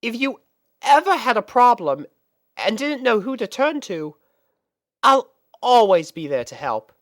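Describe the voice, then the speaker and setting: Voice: mid-range voice, sing-song, measured pace, a bit bright, no echo, studio quality, pitched above the performer's own voice. A narrator voicing a caring young female pony, a refined and tender big sister in a storybook reading. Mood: tender, wistful.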